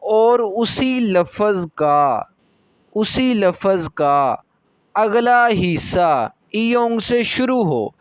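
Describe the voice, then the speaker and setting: A man's voice: high-pitched, lively intonation, drawn-out words, clean tone, no echo. A man with a Pakistani Urdu accent teaching a language lesson, patiently repeating each syllable and checking that listeners follow. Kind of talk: step-by-step classroom lecture.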